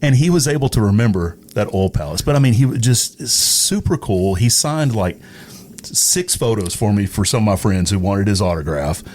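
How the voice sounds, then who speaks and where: A man's voice: lowish voice, very animated, normal speed, a little mellow. A middle-aged man, telling casual anecdotes as a guest on an interview show. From East Texas, USA. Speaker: radio personality, podcast guest.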